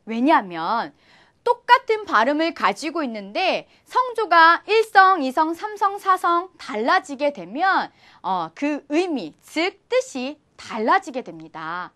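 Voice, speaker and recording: A young woman teaches a cheerful language lesson in a high, bright voice. Her pitch leaps up and down with animated emphasis. She keeps asking her viewers questions and encouraging them as she goes. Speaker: Chinese teacher. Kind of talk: friendly online language lesson.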